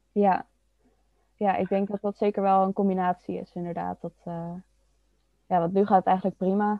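Her intonation monotone and flat, a woman talks at a moderate pace and medium pitch, leaving long, frequent pauses. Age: 20s. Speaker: podcast guest sharing personal experience. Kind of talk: personal testimony in interview. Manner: hesitant, many fillers.

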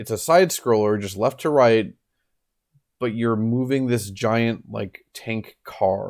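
In a very clean recording with a silent background, a man with an American accent uses an unremarkable speaking voice at medium pitch, fairly slow, with ordinary pitch variation. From United States. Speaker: podcast host. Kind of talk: casual solo podcast talk. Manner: casual, filler-heavy.

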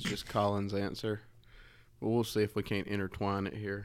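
A man with a Southern US accent speaks at a fairly quick pace in a fairly low pitch. The recording is very clean, with a silent background. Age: 20s. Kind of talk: casual chat; bible teaching.

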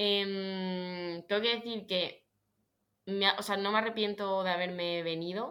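Recorded very cleanly against a silent background, a woman's fairly low voice has a bright, sharp tone and fairly even intonation. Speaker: podcast co-host, university student. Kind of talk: casual chat. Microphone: recorded too quiet.

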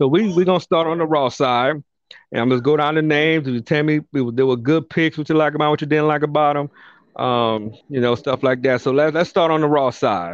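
A man with a normal speaking voice talks at a fairly quick pace and fairly high pitch. His pitch varies in an ordinary way against a quiet background. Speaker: podcast host. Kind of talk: casual chat.

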